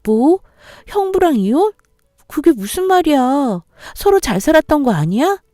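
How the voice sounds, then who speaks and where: Brief: woman voicing a young, anxious kid sister, fretful and questioning, mellow, dry. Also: fairly high pitch, animated, moderate pace, no room sound, soft background music, pitched above the performer's own voice, natural voice. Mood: worried.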